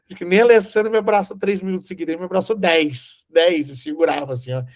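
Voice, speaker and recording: A man's voice: high-pitched, fast. A man preaching a sermon, telling a personal story and acting out the dialogue. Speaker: Bible teacher.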